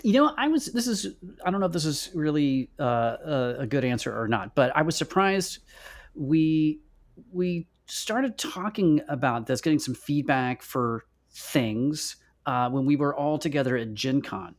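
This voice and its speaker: A man co-hosting a podcast in casual chat, halting and often correcting himself as he goes. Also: fairly high pitch, animated. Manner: halting, self-correcting, hedging. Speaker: podcast co-host.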